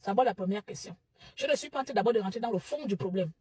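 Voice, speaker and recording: A woman from Gabon with a Gabonese French accent, delivering an impassioned opinion monologue that rises to loud rhetorical outbursts. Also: medium pitch, animated, racing, slightly rough, no echo. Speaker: commentary vlogger.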